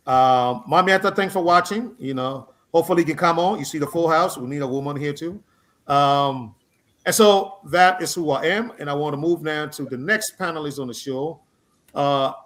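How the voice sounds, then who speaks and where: A male co-host introduces his panel on a live talk show. His voice sits fairly high, and his manner is genial, with a bit of light teasing. He speaks in an easy hosting style. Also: a bit bright.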